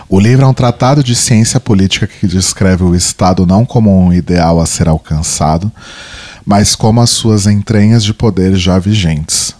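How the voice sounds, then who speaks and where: A young man from Brazil with a cold, co-hosting a podcast in playful, chatty talk and reading listener emails aloud. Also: low voice. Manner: playful, chatty, reads at a steady pace. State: has a cold. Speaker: podcast co-host.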